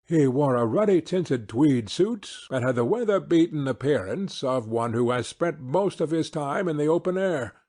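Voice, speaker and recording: A man narrating a classic novel as an audiobook in a measured, formal reading style. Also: a little high, animated, darkish tone. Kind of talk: scripted literary narration.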